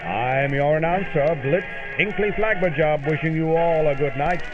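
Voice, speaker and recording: Man playing higher-pitched old-time radio announcer. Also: normal speed, natural voice. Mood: formal, cheery. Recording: dull old radio sound, music behind.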